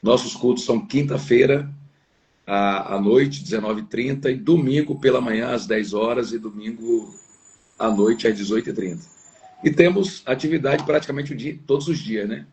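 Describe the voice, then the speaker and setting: A man's voice: mid-range voice, normal speed, a little mellow. A man from Sergipe in northeastern Brazil, a pastor talking casually as an interview guest from home. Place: at home, downstairs, on an internet call.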